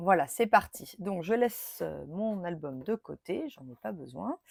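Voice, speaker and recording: The voice carries vocal fry and swings very widely in pitch. The sound is dry and close, with no echo. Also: woman. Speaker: crafting demonstrator. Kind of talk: craft tutorial live stream. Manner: hesitant, many fillers.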